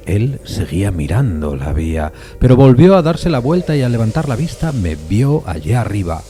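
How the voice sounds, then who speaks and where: A man giving a measured, literary dramatic narration of a classic suspense story. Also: fairly low pitch, big pitch swings, mellow, soft background music. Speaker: narrator of an audio fiction adaptation.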